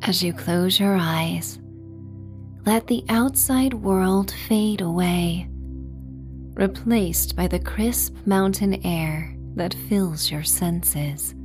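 A woman narrating a sleep story and guided meditation softly and gently, with a breathy voice that drifts near a whisper. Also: on the low side, soft background music. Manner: slow, gentle, measured. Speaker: podcast host and meditation guide.

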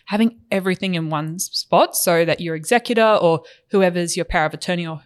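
A podcast co-host explaining finances in a steady, measured way with some filler words. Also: mid-range voice.

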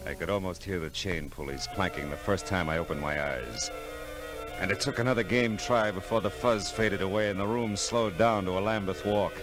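A man's voice: low voice, close to an everyday voice. A man playing a world-weary private eye, wry and laconic, in a 1940s radio noir drama. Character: hard-boiled, world-weary male private eye narrating his case. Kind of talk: 1940s radio noir acting, first-person narration. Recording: old radio drama recording with music.

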